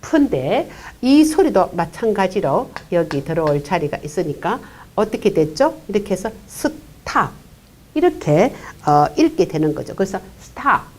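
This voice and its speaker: Woman, English pronunciation teacher. Low, dark voice with a lively melody. Patient lecturing with many fillers. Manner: unhurried explaining with frequent "uh" fillers; quietly voices single consonant sounds. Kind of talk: classroom-style pronunciation lecture.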